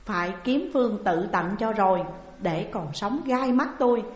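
A woman voicing a stern, angry old lord scolding his family, slow and weighty, in a muffled, echoing recording. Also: medium pitch, animated, natural voice. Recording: muffled, roomy with long reverb.

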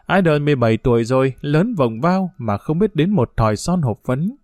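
A man's voice: fairly high pitch, animated, fairly quick, a little mellow, dry recording, clean studio sound. Man reading a grave news feature. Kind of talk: scripted documentary narration.

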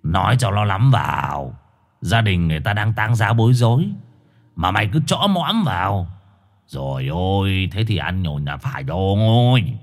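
A man voicing a calm, worldly old male dog with a low husky voice. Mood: scolding. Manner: low, husky, unhurried, matter-of-fact. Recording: faint music behind.

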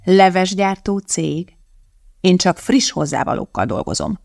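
A blunt, determined woman, as an audiobook reader voices her, speaking in a firm, matter-of-fact way. Her voice carries a gravelly edge. The sound is close and dry with no room to it. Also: mid-range voice, very animated, darkish tone, no echo. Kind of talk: audiobook character voice.

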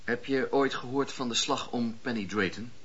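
Fervent husky preacher man. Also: medium pitch, a bit bright. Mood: earnest, assured. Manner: declamatory, impassioned storytelling with dramatic pauses. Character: fervent wandering preacher, earnest 17th-century religious dissenter. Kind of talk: radio drama acting. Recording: dull, lo-fi radio play recording.

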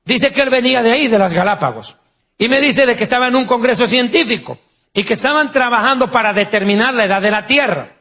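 A man's voice: high voice, pushed and bright. A man preaching a sermon in Spanish-language style, mixing teaching with anecdotes and jokes, asking rhetorical questions and acting out quoted voices.

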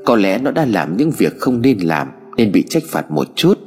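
A man voicing a calm, soothing elderly monk in an audio story. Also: mid-range voice, moderate pace. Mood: reassuring. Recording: hall reverb with music bed.

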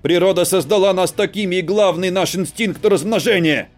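A man voicing a desperate werewolf husband who shouts and pleads to be heard, in an audiobook. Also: fairly high pitch, moderate pace, faint music behind, natural voice. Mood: shouting. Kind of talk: audiobook character voice.

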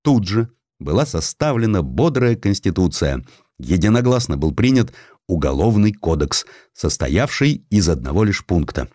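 A man narrating historical tales for an audiobook in a theatrical style, with deliberate phrasing and dramatic pauses. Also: sits low, big pitch swings, a little mellow, no echo, studio quality.

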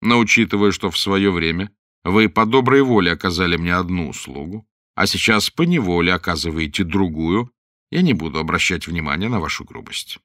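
A man voicing a calm, dryly ironic pirate captain in a storybook reading. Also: deep voice, a little fast, dry recording, clean studio sound.

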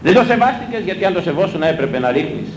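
A man preaching a sermon, scolding his listeners with rhetorical questions and hammering his points home through repetition. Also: big pitch swings. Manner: emphatic, repetitive exhortation. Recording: echoey room with low rumble.

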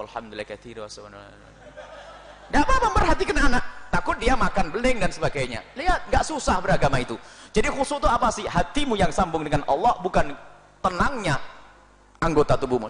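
A fast-talking male preacher with a high, lively voice that leaps around as he plays out little scenes. He lectures in a reverberant hall. A large audience can be heard around him. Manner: animated, acts out little scenes, laughs. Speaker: preacher answering questions. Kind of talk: religious lecture.

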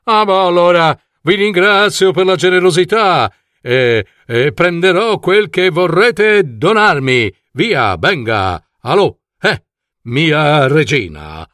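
A man voicing a sly, flattering jeweller in a fairy tale, with obsequious hesitations and interjections. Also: a little high, takes it slowly, no room sound, clean studio sound, full character voice. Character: sly, fawning male jeweller, a king in disguise. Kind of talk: fairy-tale storybook voice acting.

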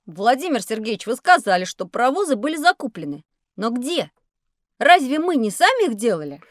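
A woman's voice: fairly high pitch, big pitch swings, brisk, no room sound. A woman voicing a curious young schoolboy who asks questions and eagerly explains what he knows, in a studio children's audiobook. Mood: curious, indignant. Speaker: child character asking questions. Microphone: studio microphone.

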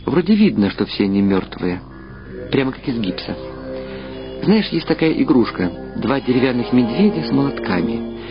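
A man's voice: medium pitch, big pitch swings, moderate pace, long pauses, close to an everyday voice. A man voicing a brooding, earnest young man in a reflective literary audio drama. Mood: musing. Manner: wistful, reflective. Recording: dull lo-fi sound under loud music. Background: loud music.

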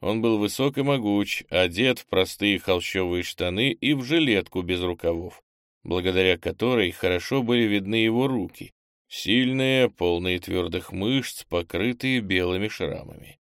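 Man, audiobook narrator, measured reading, gravelly, dry close sound. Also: deep voice, fairly bright tone, no room sound.

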